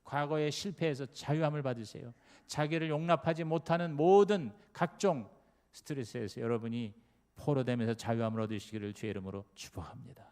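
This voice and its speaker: A man's voice: mid-range voice, a little fast, a little mellow. A male pastor preaching a sermon, telling stories and driving points home with rhetorical questions. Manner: storytelling, emphatic rhetorical questions. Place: church sanctuary. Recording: long reverb of a church sanctuary.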